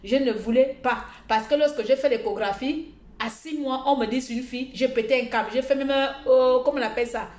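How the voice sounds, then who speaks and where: A woman vlogger giving blunt, humorous advice in a casual monologue, telling stories with animated energy. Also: sits high, brisk. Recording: echoey room.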